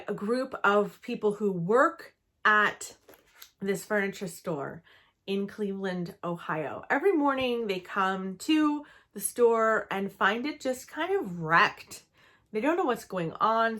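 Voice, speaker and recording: A woman's voice: fairly high pitch, fairly bright tone. A young woman from Canada in a casual book-review vlog, chatty and enthusiastic, with lots of "um" and "like". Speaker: book vlogger.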